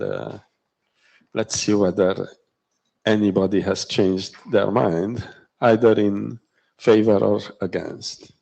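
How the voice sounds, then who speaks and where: A man moderating a conference session, speaking hesitantly with many pauses. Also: on the low side, creaky, a little mellow, rough recording. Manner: hesitant, lots of pauses and fillers. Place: conference hall.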